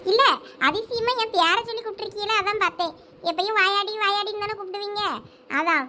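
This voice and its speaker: A woman's voice: very high-pitched, steady tone, pushed and bright, slight background noise. A woman voicing a nosy, teasing young village woman in a cartoon, with a Thoothukudi Tamil accent. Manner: nosy, fast-talking, teasing. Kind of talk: cartoon voice acting.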